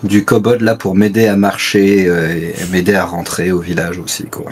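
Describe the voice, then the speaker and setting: Male role-playing gamer, fairly low voice, casual table talk. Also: monotone, moderate pace.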